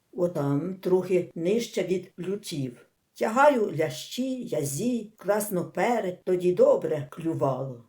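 A woman reads a humorous story aloud for an audiobook. Her voice is dark and mellow. Her pitch swings widely as she tells the story with plenty of expression. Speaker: audiobook reader.

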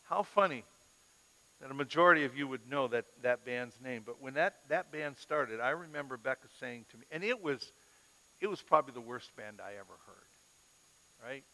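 A middle-aged male pastor giving a parenting lecture to a live audience, an animated storyteller who acts out scenes. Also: medium pitch, moderate pace. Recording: long reverb of a large hall.

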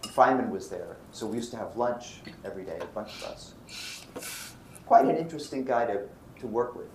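An older man from Brooklyn giving a university physics lecture, animated and often checking in with his students. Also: on the low side, moderate pace. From Brooklyn, New York. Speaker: physics professor. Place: lecture hall. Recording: roomy lecture hall, faint noise.

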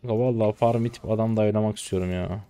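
A man in his twenties commenting live on his own gameplay, exasperated, swinging between low mutters and loud outbursts at his teammates. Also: steady tone, rapid-fire, clean tone. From Turkey. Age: 20s. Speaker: game streamer.

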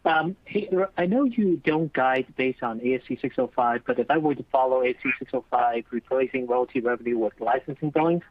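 A man's voice: medium pitch, a little fast, hardly any pauses, dry recording. A man asking questions as a financial analyst on an earnings call. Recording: dull lo-fi phone call audio.

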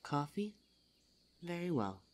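A performer voicing a suave, teasing demon lover in an intimate ASMR roleplay audio drama, smooth-talking and formal in address. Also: mid-range voice, sing-song, slow pace, heavy background noise. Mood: teasing, smug.

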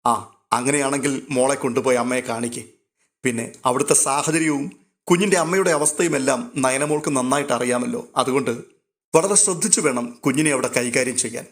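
A man's voice: mid-range voice, brisk, natural voice. A man voicing a stern elderly grandfather who speaks firmly and formally, as in a storybook read aloud. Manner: scolding, firm and formal.

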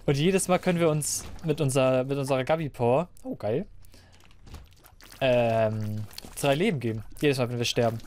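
A man giving casual, playful Let's Play commentary, talking to the game and his viewers, his voice a bit hoarse. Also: medium pitch, normal speed, darkish tone. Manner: playful, talks to the game and viewers, silly noises. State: slightly hoarse, clearing throat.

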